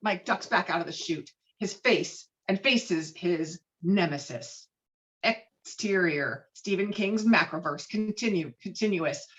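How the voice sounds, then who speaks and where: A woman reading screenplay stage directions with dramatic, expressive delivery over a video call. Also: mid-range voice, muffled recording. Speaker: stage directions reader at a table read.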